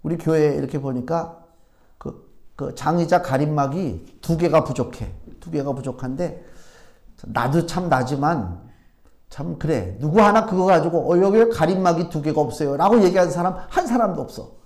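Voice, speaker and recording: A man's voice: on the high side, moderate pace. Folksy storytelling male pastor. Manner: folksy, animated storytelling with acted-out inner speech. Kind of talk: sermon with storytelling.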